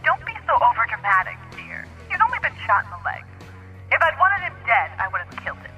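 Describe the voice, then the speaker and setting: A woman's voice: fairly high pitch, very animated, fast talker, bright, forceful tone, dull audio, soft background music. An actress playing a smug, sadistic villain who taunts her captives with mock politeness in an audio drama. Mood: taunting, cruel.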